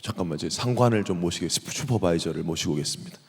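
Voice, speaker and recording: A man's voice: low voice, very fast, creaky, long reverb tail, pitched below the performer's own voice. A pastor voicing a male angel at heaven's gate who asks questions in a formal, polite way. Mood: puzzled.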